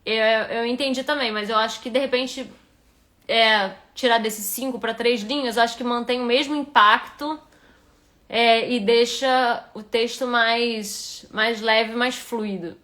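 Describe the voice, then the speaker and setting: A woman's voice: a little high, steady tone, a little slow, fairly bright tone. A woman with a Rio de Janeiro accent, a writing instructor giving a live critique of a reader's manuscript and thinking aloud with frequent restarts. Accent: Rio de Janeiro Portuguese.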